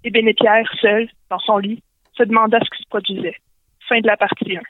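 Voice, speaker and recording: A woman's voice: mid-range voice, level tone, fairly quick, no echo. A woman with a Québécois French accent reading a comic story aloud over a phone call, in a playful way. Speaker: guest storyteller. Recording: tinny phone line.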